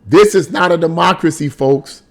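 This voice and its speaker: A man's voice: on the high side, moderate pace, creaky. A man giving unscripted, opinionated political commentary on the news, exasperated, with stammering restarts and phrases repeated for emphasis.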